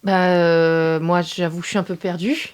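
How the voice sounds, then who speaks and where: A woman's voice: fairly low pitch, little pitch movement, a little slow, a crowd in the background. A woman playing in an improvised tabletop game, playful, stammering a bit in character. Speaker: player. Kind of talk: improvised role-play.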